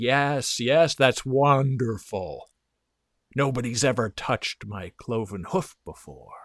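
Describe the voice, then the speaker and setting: In a very clean recording with a silent background, a man does a put-on character voice at a medium pitch and a fairly slow pace. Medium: read story. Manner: bombastic, self-important.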